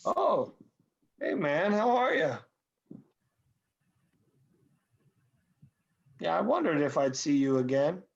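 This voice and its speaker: A woman's voice: low voice, sing-song, moderate pace, gravelly, lo-fi sound, exaggerated voice. A woman playing a laid-back, easily exasperated male slacker in an online read of a film script. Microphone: video call.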